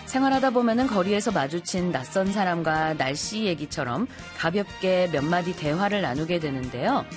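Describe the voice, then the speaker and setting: Woman radio host, very fast speech, bilingual studio chat, faint music behind. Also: on the low side. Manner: reads in English, then retells it in rapid Korean. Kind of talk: bilingual radio show talk.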